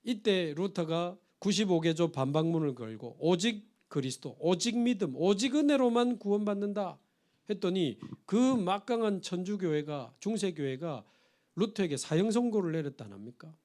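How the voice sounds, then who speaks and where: Middle-aged male pastor, high-pitched, emphatic sermon delivery. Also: animated, moderate pace, darkish tone. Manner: storytelling with acted quotes, rising emphatic appeals. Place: church sanctuary.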